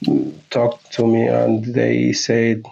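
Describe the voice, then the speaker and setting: Slow, gravelly man. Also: mid-range voice, lively intonation, dark tone, dull audio. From Syria. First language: Arabic. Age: 30s. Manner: hesitant, halting, searching for words. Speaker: interviewee.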